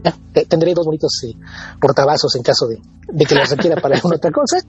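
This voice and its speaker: A very husky, breathy man with a Mexican Spanish accent talks in a relaxed podcast chat. He stumbles and restarts words as he goes, with faint music behind him. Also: a little high, fast talker, lo-fi sound. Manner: chatty, repeats and restarts words. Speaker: podcast co-host and blogger.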